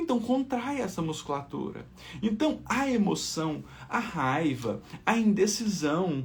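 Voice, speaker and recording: With audible room echo, the speaker sounds animated, the pitch swinging very widely. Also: man. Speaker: acupuncture teacher. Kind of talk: online lecture.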